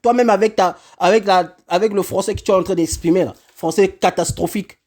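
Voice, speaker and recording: A man's voice: high voice, fairly even intonation, a little fast, darkish tone. A man from Congo, delivering a heated, insulting rant to camera and repeating his points. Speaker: vlogger.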